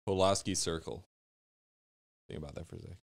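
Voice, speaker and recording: A man's voice: low voice, a little fast, creaky, dry recording. A man from Connecticut, a podcast guest, chatting in a laid-back, joking way with a lot of "like" in a studio. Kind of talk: casual podcast chat.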